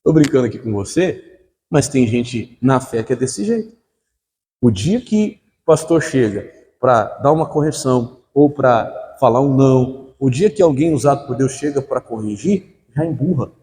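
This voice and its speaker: Preaching pastor in an echoey church. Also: male voice, medium pitch, lively intonation, normal speed, dark tone, slight background noise. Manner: call-and-response preaching, asking the congregation to fill in words. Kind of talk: sermon. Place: church hall. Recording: echoey hall.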